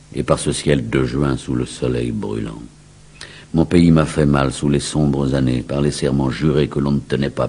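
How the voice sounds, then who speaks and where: A man reciting verse in a grave, declamatory, solemn dramatic style with a husky voice. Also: a bass voice, darkish tone. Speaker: poetry reciter.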